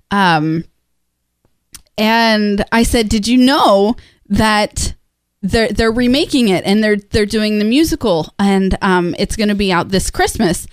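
A woman's voice: medium pitch, smooth, dry recording, studio quality. A woman co-hosting a casual family podcast, telling stories in a chatty way and pushing back in friendly arguments. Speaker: podcast co-host. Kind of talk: casual chat.

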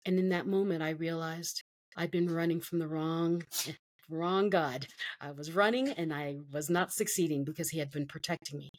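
A woman's voice: deep voice, steady tone, moderate pace, a little hiss or hum. A middle-aged woman telling her personal story as a guest in an interview, emotional and vivid, acting out what others said. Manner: emotional, storytelling with quoted voices.

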